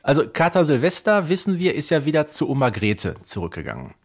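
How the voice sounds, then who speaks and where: A woman's voice: sits low, big pitch swings, fairly quick, breathy edge. A woman talking casually as a podcast co-host.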